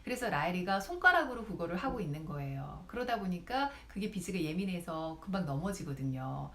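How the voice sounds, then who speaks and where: A woman's voice: fairly low pitch, brisk. A woman speech lecturer and YouTuber giving advice, speaking directly to her viewers. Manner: lively, directly addresses viewers. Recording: roomy echo.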